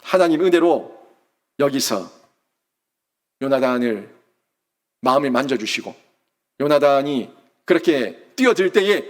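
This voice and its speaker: A man's voice: mid-range voice, lively intonation, unhurried, long pauses. A male pastor preaching a sermon, emphatic and putting rhetorical questions to his congregation.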